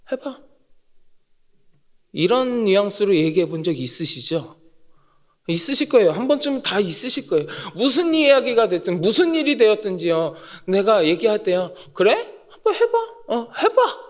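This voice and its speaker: A male pastor preaching an emphatic sermon in a church, firing repeated rhetorical questions and swinging from loud to hushed. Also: high voice, lively intonation, a little fast. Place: church sanctuary. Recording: long reverb of a church hall.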